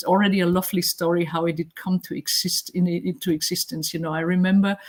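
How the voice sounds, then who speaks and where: A woman speaks at a moderate pace in a somewhat breathy, medium-pitched voice. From Germany, Bavaria (Nuremberg). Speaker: member of a druid order. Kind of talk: interview conversation. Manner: halting, with frequent repetitions.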